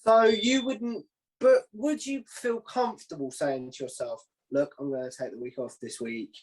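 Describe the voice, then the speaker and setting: A man hosting a relaxed podcast interview, asking questions in an informal, inquisitive way. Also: a little high, moderate pace, rough recording. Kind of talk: casual conversational interviewing.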